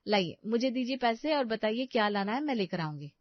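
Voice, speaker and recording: A woman's voice: expressive, a little fast, no echo, close to an everyday voice. A woman voicing a young complaining daughter-in-law. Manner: high, pleading and complaining. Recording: dry, dull lo-fi sound.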